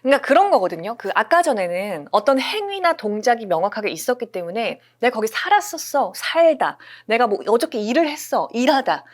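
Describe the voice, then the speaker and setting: A woman teaching an English grammar lesson, explaining step by step, often checking in with listeners and repeating example sentences slowly. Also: fairly high pitch, big pitch swings.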